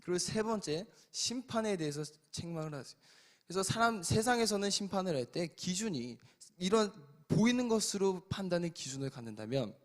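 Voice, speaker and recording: A man preaching a sermon as pastor, swinging between loud exhortation and soft, quiet asides. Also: high voice, expressive, fairly quick. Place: church sanctuary.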